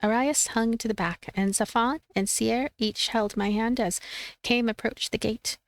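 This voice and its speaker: A woman's voice: fairly high pitch, steady tone, unhurried, no room sound. A woman hosting a let's play, reading and narrating a visual novel.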